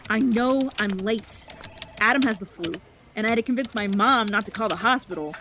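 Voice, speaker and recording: A woman's voice: a little high, a bit bright, slight background noise, close to an everyday voice. An actress playing a harried, exasperated woman who is running late, in an audio drama. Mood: flustered. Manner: exasperated, rushed. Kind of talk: full-cast audio drama acting.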